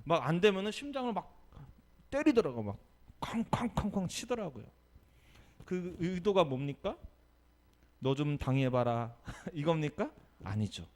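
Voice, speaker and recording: A male pastor giving a Sunday sermon, telling a story with lively energy and asking the congregation questions. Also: high voice, normal speed. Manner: animated storytelling, acting out quotes.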